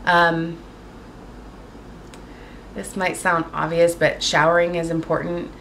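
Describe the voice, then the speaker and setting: A woman vlogging casually to camera at home, chatty and full of fillers, her voice a little raspy from a cold. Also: on the low side, flat delivery, takes it slowly, a bit bright, slight background noise, rough recording. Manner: chatty, lots of fillers and likes. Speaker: beauty vlogger. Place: home, indoors.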